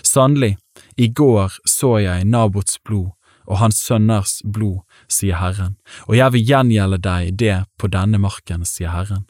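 A man's voice: on the low side, a little mellow, no echo, studio quality, natural voice. A man reading as a stern ancient warrior king.

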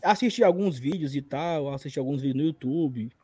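A man's voice: a little high, fairly quick, dark tone, slightly rough, no echo. A man with a Northeastern Brazilian accent from Ceará and an occasional stutter, casually telling personal stories as a podcast host. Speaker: podcast and live stream host.

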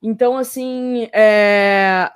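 A woman's voice: medium pitch, steady tone, very slow, clear, resonant tone, dry recording. A woman, commenting on sports in an emphatic, opinionated way and repeating her points for force.

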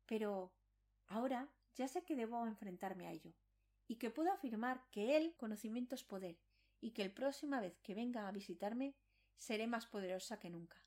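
A woman's voice: fairly high pitch, a little mellow. A woman reading a scripted first-person supernatural horror story as a dramatic narration.

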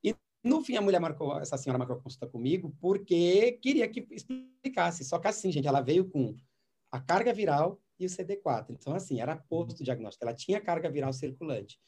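A man with a mellow, somewhat high voice talks quickly as a doctor. He tells a clinic story conversationally and voices both sides of the dialogue. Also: animated, breathy edge. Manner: recounts cases and acts out the dialogue.

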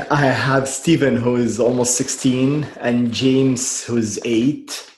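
A man, a coach telling his story as a guest in a casual interview, halting and trailing off quietly. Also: medium pitch, steady tone, a little hiss or hum, rough recording. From Lebanon. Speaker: guest, life and business coach.

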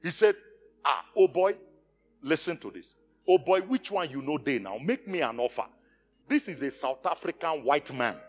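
A middle-aged Nigerian pastor preaches with a Nigerian accent, his pitch a little high and swinging widely as he acts out every exchange. He calls out to the congregation to answer back, and soft music plays faintly behind him. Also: animated, normal speed. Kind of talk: storytelling sermon.

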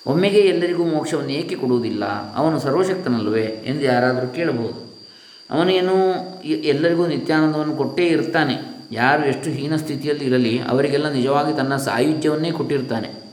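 A man reading a philosophical teaching aloud at a measured pace, slowing down to chant scripture verses. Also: a little high. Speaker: reader of a spiritual text. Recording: roomy echo, faint hiss.

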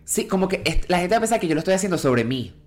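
A man with a Venezuelan accent co-hosting a podcast, telling stories in an expressive, casual way and swearing freely. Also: high-pitched, racing. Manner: expressive storyteller, swears casually, dramatic mock-pleading. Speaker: podcast co-host. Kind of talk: casual chat.

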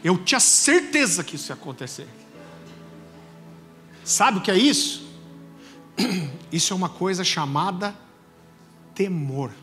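Animated Brazilian pastor, high voice. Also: male voice, unhurried, long pauses, soft background music. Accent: Brazilian Portuguese. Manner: animated storytelling, addresses listeners as "irmão". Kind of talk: sermon with personal testimony. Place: church service.

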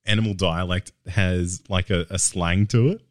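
A man's voice: low-pitched, fairly even intonation, moderate pace, no room sound, clean studio sound. A man co-hosting a podcast, joking and laughing through casual banter. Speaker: podcast co-host. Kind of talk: casual chat.

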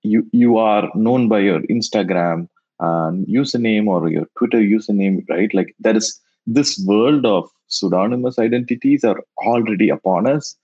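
Low husky man, dull lo-fi sound. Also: dark tone. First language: Tamil. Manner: halting, repeats words while thinking. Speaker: guest, NFT investor. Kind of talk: conversational interview answers.

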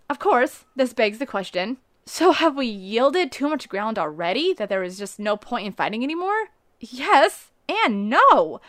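A woman's voice: mid-range voice, dry recording. A woman reading her own Christian devotional text aloud, earnest and rising to emphatic preaching on key phrases. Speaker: Christian author and teacher.

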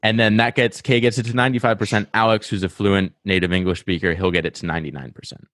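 On a casual podcast, a talkative man with a Rhode Island accent speaks eagerly and at length, often interrupting himself to restart sentences. His voice is fairly low and fairly bright, with fairly even intonation, and he talks fast. The sound is studio quality, with no room sound.

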